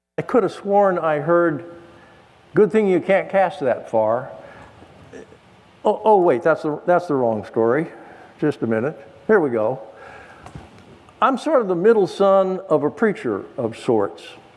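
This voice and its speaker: High-pitched male voice with an American accent, very wide pitch swings, a fairly slow pace and long, frequent pauses, over noticeable background noise. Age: 80s+. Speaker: church member sharing testimony. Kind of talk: testimony. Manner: talkative, meandering with fillers.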